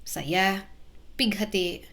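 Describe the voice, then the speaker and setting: Brief: female narrator for a heartfelt drama, slow and emotional. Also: mid-range voice, vocal fry, fairly bright tone. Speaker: storyteller.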